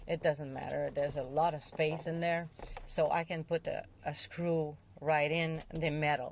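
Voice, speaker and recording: A woman with a very deep, low pitch and a French Canadian accent speaks at a fairly slow pace in a monotone, flat intonation. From Quebec, Montreal. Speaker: van conversion DIY vlogger. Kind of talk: casual vlog tutorial. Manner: halting, searching for words.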